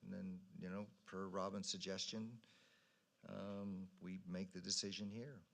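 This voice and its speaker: A man's voice: low-pitched, little pitch movement, measured pace, vocal fry. A man speaking as a council member in an informal public meeting discussion.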